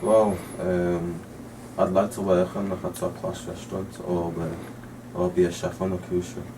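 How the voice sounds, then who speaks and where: A young man from Liverpool, a catering student, answering questions in a relaxed, casual way. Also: low voice, unhurried, distant mic. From Liverpool, England. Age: young adult. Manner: relaxed, casual, says "like" a lot. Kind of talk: interview answers. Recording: clear background noise.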